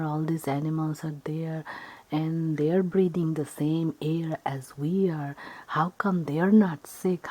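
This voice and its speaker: A woman telling an improvised ASMR story in a breathy, often whispered voice, halting between short phrases. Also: deep voice, dark tone, rough recording.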